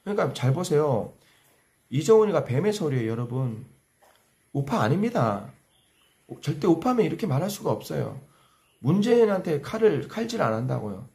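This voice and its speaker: A man's voice: a little high, very animated, moderate pace, creaky, warm tone. A man delivering angry ranting commentary as a YouTube commentator, heated and insulting. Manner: heated, insulting, repeats cursing phrases.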